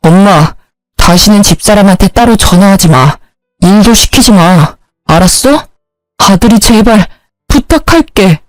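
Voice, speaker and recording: A woman's voice: mid-range voice, expressive, unhurried, no room sound, faint music behind, natural voice, low-quality recording. A woman voicing a husband who argues defensively with his wife. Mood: begging. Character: defensive, then remorseful husband.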